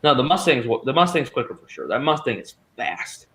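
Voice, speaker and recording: Casual host, a man, mid-pitched, excitable, swears, peppers talk with "dude". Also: brisk. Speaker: channel host. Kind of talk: casual chat.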